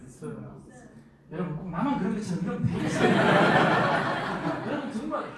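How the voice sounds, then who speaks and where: A middle-aged man giving a lively lecture to a live audience, acting out the spouses he quotes in a raised voice. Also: high-pitched, moderate pace. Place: lecture hall. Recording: echoey hall from far off, faint noise.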